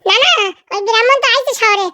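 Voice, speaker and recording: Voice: extremely high pitch, quick pace, bright, forceful tone. A performer voicing a cheeky, eager young sidekick in a comedy cartoon, chattering in a colloquial way. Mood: chatty. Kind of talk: comic cartoon dialogue.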